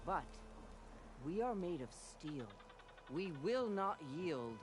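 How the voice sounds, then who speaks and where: A man playing a solemn, steadfast tribal chaplain in a video game, speaking in a measured, oratorical way. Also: high voice, sing-song, noisy background, exaggerated voice. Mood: solemn, resolute. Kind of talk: dramatic video game acting.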